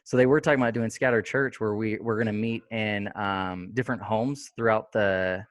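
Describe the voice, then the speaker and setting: A man with a fairly low voice hosts a laid-back podcast chat, looping through "um"s and half-started sentences. The sound is dry and close, with no room around it. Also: fairly even intonation, moderate pace, no room sound. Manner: rambling, many fillers and restarts. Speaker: podcast host. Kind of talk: casual interview chat.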